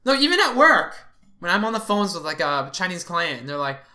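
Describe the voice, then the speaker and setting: A young man from Canada who grew up speaking Cantonese, co-hosting a podcast in casual, animated, sweary chat. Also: high voice, brisk, soft background music. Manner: animated, swears freely, lots of "like". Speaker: podcast co-host.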